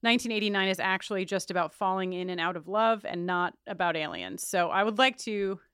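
Smooth-voiced chatty woman podcast host. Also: mid-range voice, animated, fairly quick, a bit bright, dry recording, clean studio sound. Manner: chatty, laughing, playful. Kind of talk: casual chat.

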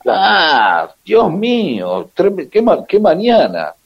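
A man with an Argentine accent hosting a radio show, joking wryly and asking quick questions. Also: high-pitched, wildly swooping pitch, gravelly, husky, highs cut off. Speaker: radio host. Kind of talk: casual radio chat.

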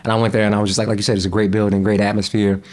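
Relaxed young man, rambling casually. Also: on the low side, very fast. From born in New York, raised in North Carolina. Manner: relaxed, rambling, laughs often, many fillers. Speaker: guest, performer. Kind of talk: casual conversation.

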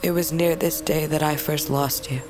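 A woman's voice: low-pitched, steady tone, moderate pace, close to an everyday voice. An actress playing a stubborn, hot-tempered young woman who works as a tribal butcher, speaking earnestly and solemnly in prayer. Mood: prayerful. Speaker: Azera, queen's daughter. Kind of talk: audio drama acting. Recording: noisy ambience bed.

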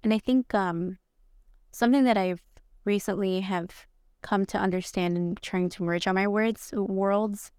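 A woman's voice: medium pitch, steady tone, a little slow, a little mellow, clean tone, no room sound, clean studio sound. A young woman teacher from Atlanta whose first language is Spanish, speaking thoughtfully in an interview with frequent ums and likes. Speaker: art teacher. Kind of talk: reflective podcast interview.

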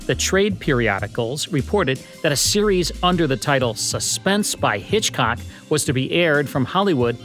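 A man's voice: on the high side, very animated, normal speed, few pauses, fairly bright tone, faint music behind. An American man co-hosting a podcast with scripted narration. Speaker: podcast co-host.

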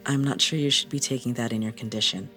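An actor playing a gentle, careful doctor who speaks softly and measuredly in an audio drama. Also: medium pitch, fairly even intonation, soft background music, lightly acted. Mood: consoling. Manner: soft, measured, consoling.

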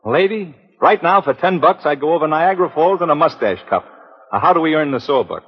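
An actor playing a wisecracking male street pitchman with brash showman patter, in 1940s radio acting. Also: lively intonation, fairly quick, husky. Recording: dull old radio recording with studio crowd.

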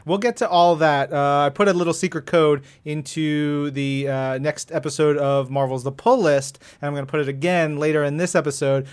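A man co-hosting a podcast, chatting casually and briskly running through news and event schedules. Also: fairly high pitch, fairly even intonation, clean tone. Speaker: podcast co-host. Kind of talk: casual chat reading show news.

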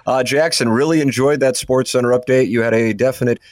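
A man's voice: medium pitch, fairly even intonation, brisk, darkish tone, no echo, studio quality. A man hosting a casual sports radio show, teasing his partner dryly and reading out listener texts. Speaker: sports talk radio host. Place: radio studio. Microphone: close studio microphone.

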